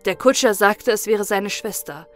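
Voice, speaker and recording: A woman narrating a fairy-tale audiobook in a calm, measured storytelling voice. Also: mid-range voice, faint music behind.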